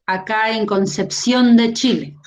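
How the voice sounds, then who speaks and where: A cheerful woman speaks as a poet and lecturer on a video call. Her voice sits a little high, and the call audio sounds dull and lo-fi. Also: steady tone, measured pace. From Bolivia. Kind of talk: casual video-call chat.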